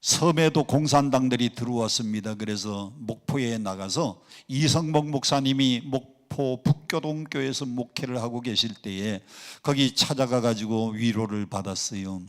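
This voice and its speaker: A male pastor preaching a sermon, asking the congregation questions and answering them himself, mimicking regional dialect, rising to loud emphatic exclamations. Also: mid-range voice, moderate pace, few pauses. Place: prayer retreat worship hall. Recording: long hall reverb.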